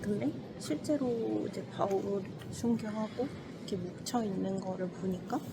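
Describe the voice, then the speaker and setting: A woman of average pitch speaks slowly and thoughtfully, feeling her way through long sentences. Loud outdoor noise washes over her voice the whole time. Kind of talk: casual travel conversation.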